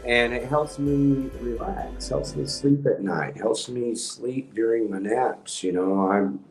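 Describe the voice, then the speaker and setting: A man, hosting a livestream and rambling in a calm monotone with many ums. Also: mid-range voice, slow pace, roomy sound, faint music behind, poor audio. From Texas. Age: 50s. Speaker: house painting business owner hosting a livestream. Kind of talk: rambling casual livestream talk.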